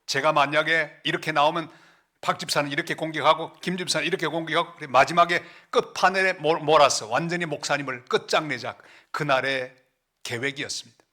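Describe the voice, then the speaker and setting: A middle-aged pastor with a Gyeongsang accent preaching a sermon in a church, storytelling with big swings and sudden hushed, slow asides. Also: male voice, on the high side, steady tone. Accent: Gyeongsang Korean. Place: church sanctuary.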